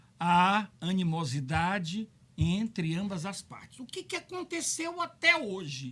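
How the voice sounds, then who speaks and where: A man speaks at a high pitch in a bright, sharp tone. His intonation is lively and his loudness swings widely. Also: fairly slow pace. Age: 60s. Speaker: professor. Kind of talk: radio interview. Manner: explanatory, lecture-like.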